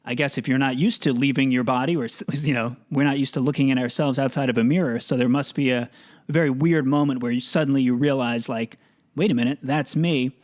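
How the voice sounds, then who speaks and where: A man's voice: mid-range voice, brisk. A man hosting a podcast, chatting casually and narrating between stories. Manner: relaxed, conversational, uses filler words. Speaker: podcast host.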